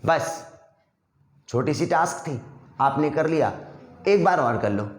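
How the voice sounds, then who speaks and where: Brisk encouraging male English teacher. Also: a little high, expressive, reverberant. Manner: brisk, encouraging, addresses students as brother. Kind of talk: spoken English class.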